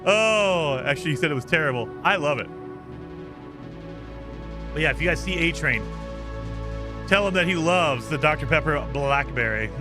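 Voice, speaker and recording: A man's voice: a little high, expressive, moderate pace, pauses often, over music. A man streaming a game live, upbeat and chatty, thanking viewers by name and explaining the rules, his voice a little scratchy from days of streaming. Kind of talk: casual live-stream chat and gameplay commentary.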